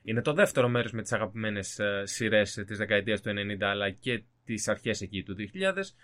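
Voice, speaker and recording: A young adult man hosting a podcast in casual chat, joking and lively in delivery. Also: fairly low pitch. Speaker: podcast host.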